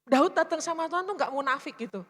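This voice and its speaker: A woman's voice: high-pitched, lively intonation, quick pace. A middle-aged woman speaker and counselor giving a casual, chatty sermon, often asking the congregation questions. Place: church hall. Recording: reverberant church hall.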